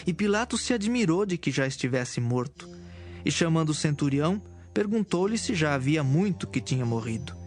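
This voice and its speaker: A man's voice: a little high, sing-song, normal speed. A man giving a scripted narration of an audio Bible. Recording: music behind the voice.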